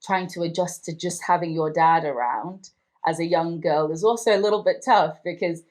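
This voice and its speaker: Woman in her thirties, from Zimbabwe, Ndebele first language, low voice, reflective storytelling. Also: moderate pace. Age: 30s. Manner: reflective, conversational, warm storytelling. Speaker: interviewee. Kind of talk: oral history interview.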